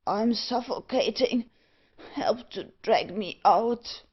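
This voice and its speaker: Woman doing a panicky merchant guy in a storybook, whiny drawn-out laments, dull recording. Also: medium pitch, lightly acted. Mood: despairing. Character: fearful, complaining male iron merchant, easily panicked. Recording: dull, lo-fi audio.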